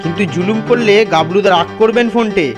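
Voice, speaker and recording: A man's voice: sits high, quick pace, over music, lightly acted. A man voicing an earnest, eager schoolboy sidekick in a children's cartoon. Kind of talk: Bengali children's cartoon voice acting.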